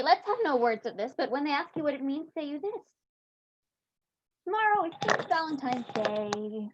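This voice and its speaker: A woman playing a grief-mad young noblewoman who drifts between verse, song and speech, in an amateur Shakespeare reading over livestream. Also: high voice. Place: remote livestream from separate location. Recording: dull, noisy livestream call with clicks.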